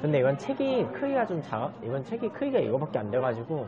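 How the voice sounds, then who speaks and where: Crowd noise fills the background as a man speaks. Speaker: live streamer. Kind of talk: casual vlog chat. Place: cafe. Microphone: earbuds.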